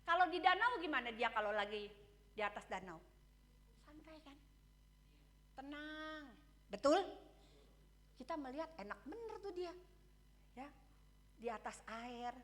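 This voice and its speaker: High bright-voiced woman preaching. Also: lively intonation, measured pace, pauses often. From Indonesia. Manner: asks the congregation questions, frequent "ya" and "betul?"; candid and conversational, shares personal stories. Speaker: pastor. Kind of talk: sermon.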